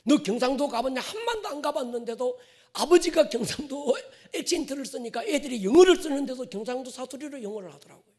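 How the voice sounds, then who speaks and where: A male pastor preaching a sermon to his congregation, swinging from loud stressed phrases to whispered endings and drawing out key words. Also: very high voice, animated. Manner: addresses the congregation directly, drawn-out stressed words.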